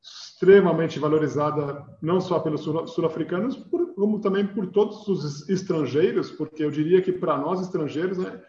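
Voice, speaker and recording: A man from Brazil, a guest in an interview, telling his story in a measured, earnest way. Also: fairly high pitch, a little mellow, reverberant, dull audio. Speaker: guest, marathon runner. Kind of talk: casual interview answers.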